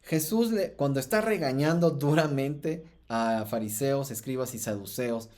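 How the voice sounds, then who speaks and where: A man from Mexico hosting a Christian podcast, teaching in a thoughtful way with many pauses and fillers. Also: medium pitch, darkish tone. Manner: thoughtful, many fillers and restarts, rises in emphasis.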